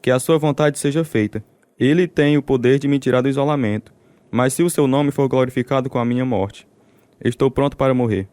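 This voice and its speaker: A man's voice: mid-range voice, a little fast, darkish tone, no echo, lightly acted. A Brazilian man playing a devout, steadfast Christian prisoner telling his story in a radio drama. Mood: weary, resolute. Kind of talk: dramatized radio testimony narration.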